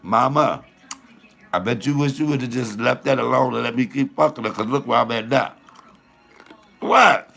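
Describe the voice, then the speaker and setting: A man with a deep voice telling a profane, animated comic story in casual storytelling style, laughing at his own jokes. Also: moderate pace, creaky, long pauses, soft background music. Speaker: comedian host.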